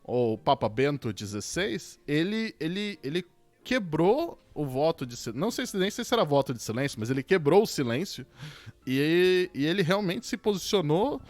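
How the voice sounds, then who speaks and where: A Brazilian man with a Brazilian Portuguese accent, co-hosting a casual podcast. His voice sits a little high and swoops all over. He teases and jokes, and the sound is dry and close. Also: big pitch swings, normal speed, dry recording. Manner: teasing, joking. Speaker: podcast co-host. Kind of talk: casual chat.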